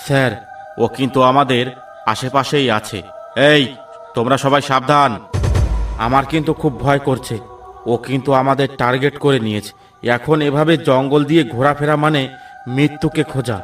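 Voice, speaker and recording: A man's voice: mid-range voice, steady tone, moderate pace, pauses often, fairly bright tone, recorded from a distance, soft background music, natural voice. A man voicing an anxious village man in a cartoon, pleading and fearful.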